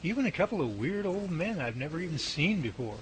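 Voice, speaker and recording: A man's voice: a little high, very animated, brisk. A man playing a groggy, wisecracking guy. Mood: uneasy. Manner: wisecracking and grumbling. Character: groggy, self-mocking young man after a nightmare. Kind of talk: hobby radio drama acting. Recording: noisy home recording.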